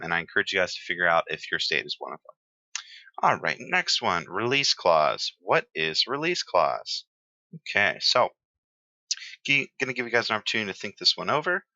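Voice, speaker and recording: A very low-pitched man explains exam vocabulary in a loose, friendly lecture and fills his pauses with lots of "uh" and "um." His voice has a very bright, forceful edge. The recording is dry and a little dull. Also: dry recording. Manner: relaxed, chatty, many fillers. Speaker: exam prep teacher.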